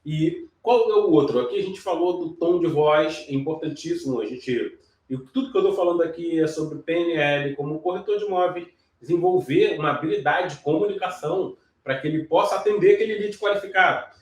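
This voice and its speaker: A man with a fairly high voice gives a sales training lesson for real estate agents, walking through each step and stopping often to check that listeners follow. He sits back from the mic, so he sounds a little distant. The room around him is echoey. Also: a little fast. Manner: explanatory, frequent check-ins like "ok?" and "certo?", some restarts.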